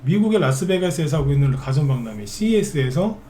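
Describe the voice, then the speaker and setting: A man runs through the day's market movers in a live stock broadcast. His voice is mellow and dark, chatty, peppered with quick tag questions he answers himself. It sounds like an echoey room with a little background noise. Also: fairly high pitch, animated.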